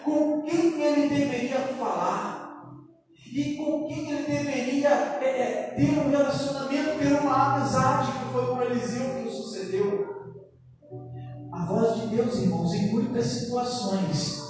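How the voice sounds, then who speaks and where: A man preaching a sermon in a church, emphatic and repetitive, with a slow, sing-song cadence. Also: extremely high pitch, darkish tone. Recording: echoey hall, voice far from the mic, faint music behind.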